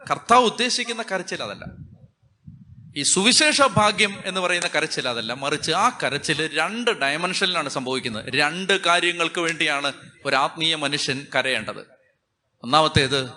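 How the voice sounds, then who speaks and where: A man's voice: a little high, sharp tone. A man with a Malayali accent, a Catholic priest preaching a sermon with emphatic, repeating phrases.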